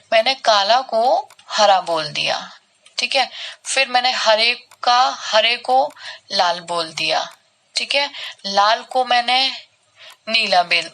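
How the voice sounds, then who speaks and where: A woman's voice: on the high side, bright, forceful tone. A woman teaching reasoning for an exam, explaining step by step, mixing in English terms and often checking in with her students. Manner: mixes English terms into Hindi. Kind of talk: online exam-prep lesson.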